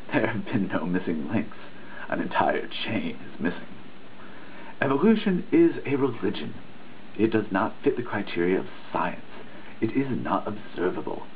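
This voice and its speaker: A man giving a dramatic reading of a written text in a measured, declamatory, emphatic manner. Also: low voice. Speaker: reader, host of a reading series. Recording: muffled phone-like sound, faint noise.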